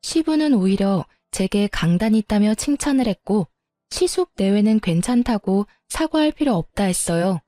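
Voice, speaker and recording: A woman narrating a family story in the first person, in an even storytelling manner. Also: mid-range voice, moderate pace, no echo, clean studio sound, soft background music. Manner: even, storytelling, politely firm in quoted lines.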